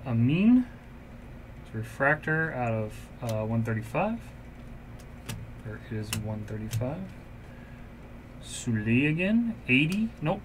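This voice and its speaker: A man's voice: mid-range voice, pushed and bright, slight background noise. A man hosting a card break, casually calling out cards and numbers as he opens packs in a shop room.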